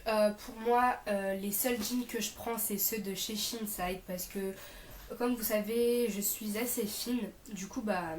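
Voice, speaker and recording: Here a mildly ill young woman chats casually to camera about things she bought, rambling and self-correcting as she goes. Her mid-range voice sounds slightly off, and the recording has an echoey room with a bit of background noise.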